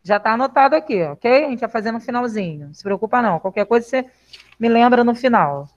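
A woman's voice: fairly high pitch, lively intonation, fast talker. A Brazilian woman teaching children in a live online class, patient and reassuring, asking coaxing questions. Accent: Brazilian Portuguese. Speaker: primary school teacher. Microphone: video call. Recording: lo-fi video call audio.

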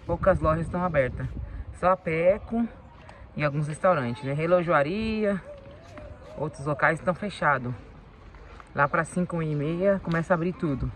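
A woman's voice: deep voice, a little hiss or hum. A mother chatting casually to viewers as she films her family's day at home and out walking. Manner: chatty, addresses viewers as "gente", coos to her children. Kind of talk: casual vlog narration. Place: home and outdoors on a hot street and park.

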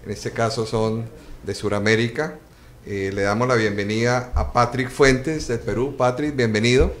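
A man's voice: mid-range voice, fairly even intonation, moderate pace. A man hosting a live interview program. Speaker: program host.

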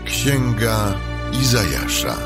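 A man's voice: on the low side, big pitch swings, takes it slowly, over loud music. A man announcing and narrating scripture readings for a scripted audio drama.

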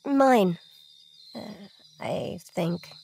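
A woman's voice: on the low side, animated, drawn-out words, vocal fry, dark tone, a little hiss or hum, full character voice. An actress playing a guarded, subdued teenage girl in an audio drama, with short, hesitant answers. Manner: terse, hesitant. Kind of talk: naturalistic audio drama acting.

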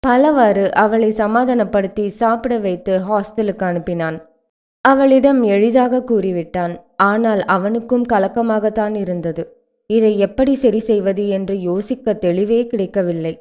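A woman narrating a romance novel aloud, reading the dialogue with feeling and the narration calmly. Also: medium pitch, unhurried. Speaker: audiobook narrator.

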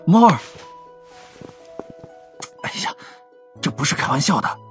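A man playing a gentle, responsible young police detective in an audio drama. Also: fairly high pitch, very animated, measured pace, soft background music. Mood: earnest, insistent.

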